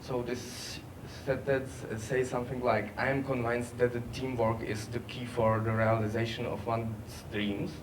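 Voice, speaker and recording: A man giving a technical workshop presentation, halting with many fillers. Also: medium pitch, flat delivery. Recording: distant mic, background noise.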